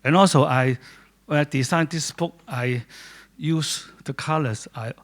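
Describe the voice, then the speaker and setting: A man with a Hong Kong accent, a native Cantonese speaker, giving a halting informal talk in English about his photo book to a small audience in a gallery. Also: fairly high pitch. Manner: halting, with many restarts and pauses. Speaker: guest speaker, doctor and photographer.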